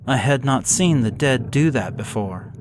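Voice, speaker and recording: A man slowly reading a gothic horror story aloud in a measured, somber way. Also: medium pitch, expressive. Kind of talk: scripted horror narration. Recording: hissy background noise.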